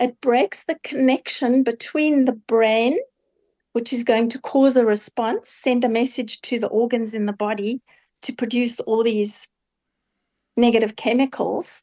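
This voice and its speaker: A high-pitched female voice with a South African accent, dark and mellow, fairly even in intonation and fairly slow, recorded dry and close with no echo against a quiet background. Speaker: mindset mentor and pilgrimage guide. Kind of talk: interview conversation. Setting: remote call.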